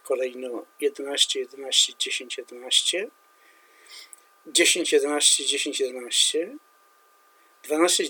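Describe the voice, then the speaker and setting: Man reading poetry and discussing its verse form, slow and declamatory, slightly high voice. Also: a bit bright, husky. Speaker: literary commentator. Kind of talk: poetry reading and literary commentary.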